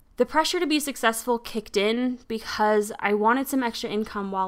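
In a normal speaking voice, a woman with fairly high pitch talks at a moderate pace with ordinary pitch variation, captured in a very clean recording with a silent background. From New Mexico, US. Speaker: podcast host, therapist and artist. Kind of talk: scripted narration.

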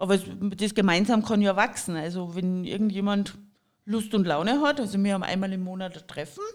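An ordinary speaking voice from a woman, medium-pitched and at a moderate pace. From Austria, Tyrol (Kitzbühel district). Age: 40s. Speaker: community volunteer. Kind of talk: casual interview chat.

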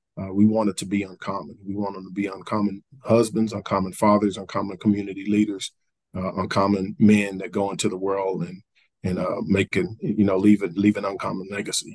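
With a Texan accent, a man talks at a fairly quick pace in a flat monotone, his loudness swinging widely. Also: fairly low pitch for a man. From West Texas (Midland). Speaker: former college football player, player development director. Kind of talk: casual interview.

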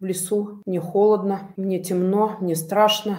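A woman's medium-pitched voice, monotone and flat, at a very slow pace over noticeable background noise. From Tatarstan, Russia. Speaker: past-life regression client. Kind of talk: regression session narration and interview.

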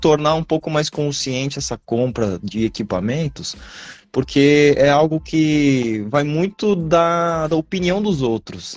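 A man with a plain, everyday voice speaks at a fairly slow pace and fairly high pitch. His intonation is lively, and the sound is dry and close with no echo. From São Paulo, Brazil. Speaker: kitesurfer and salesperson. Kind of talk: casual interview.

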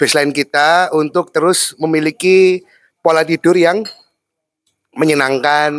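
A man's fairly high-pitched, ordinary speaking voice with ordinary pitch variation, dry and close with no echo. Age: 20s. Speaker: discussion participant. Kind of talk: casual discussion.

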